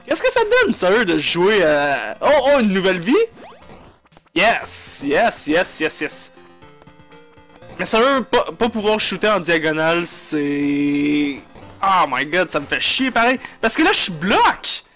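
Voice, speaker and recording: A man's voice: high-pitched, animated, slow pace, fairly bright tone, soft background music. A man with a Quebec French accent giving casual, profane gameplay commentary and mixing in English phrases. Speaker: let's play gamer.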